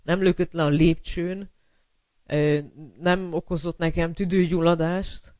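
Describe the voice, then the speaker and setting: A man's voice: a little high, flat delivery, darkish tone, no echo. Earnest preacher man, dry close sound. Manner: earnest, addresses listeners as brother, frequent filler hesitations; tells personal stories to illustrate scripture. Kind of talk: sermon.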